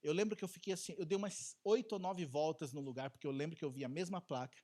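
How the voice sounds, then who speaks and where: Animated Brazilian preacher man. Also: fast talker. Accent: Brazilian Portuguese. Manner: animated, with rhetorical questions to the congregation; swings between soft low asides and loud high bursts. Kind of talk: conversational Sunday sermon.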